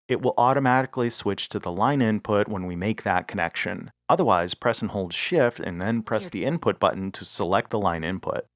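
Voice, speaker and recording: A man narrating a scripted tutorial, giving clear step-by-step instructions. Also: on the low side. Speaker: host of a music gear tutorial channel.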